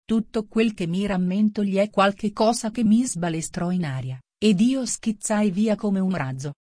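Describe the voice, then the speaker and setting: A woman's voice: mid-range voice, a little slow, warm tone, no room sound, studio quality, natural voice. A woman voicing a weak, shaken male lizard with a faint, hissing voice in a storybook reading.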